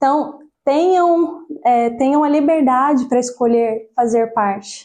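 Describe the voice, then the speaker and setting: A woman speaks at a moderate pace with a high pitch and a dark, mellow tone. Her pitch varies in an ordinary way. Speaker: Sunday school lesson commentator. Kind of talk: Bible study discussion.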